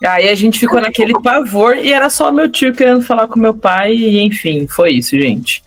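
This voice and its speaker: A young woman with a Brazilian Portuguese accent, co-hosting a podcast and telling a story in a casual, animated way with frequent laughter. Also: mid-range voice. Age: young adult. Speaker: podcast co-host.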